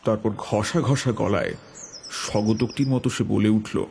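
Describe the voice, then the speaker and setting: A man tells a scripted ghost story as its narrator. His voice is fairly low and his delivery measured and literary. A faint layer of noise lies behind him. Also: gravelly, a little mellow. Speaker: story narrator, telling it in the first person.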